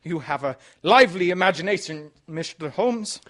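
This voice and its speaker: A man's voice: high-pitched, animated, moderate pace, a bit bright. An actor playing a defiant male impostor villain in a radio mystery, haughty and challenging. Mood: defiant, scornful. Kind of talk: old-time radio mystery acting.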